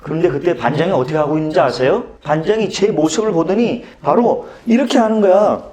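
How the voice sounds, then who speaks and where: A middle-aged man who works as a speech coach, telling a personal story as a lecture in a dramatic, animated way and often asking his audience questions. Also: a little high, fairly quick, a little hiss or hum. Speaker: clinical psychology speech coach and speech instructor.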